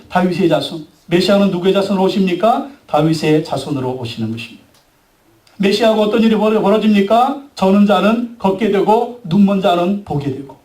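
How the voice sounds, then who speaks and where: A man's voice: high-pitched, darkish tone. A man preaching a sermon as a pastor, acting out the cries and voices from the stories he tells. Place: church sanctuary. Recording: echoey church, mic from a distance.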